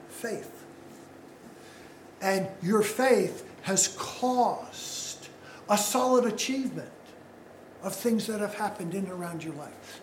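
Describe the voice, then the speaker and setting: A male pastor preaching a sermon, unhurried, putting questions to the congregation. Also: high voice, reverberant, slight background noise, rough recording.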